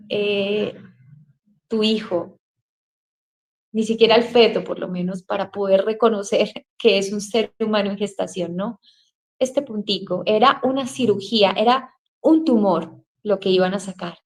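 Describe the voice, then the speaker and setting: A woman with a Colombian accent giving an earnest personal testimony, speaking haltingly with frequent restarts. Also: a little high.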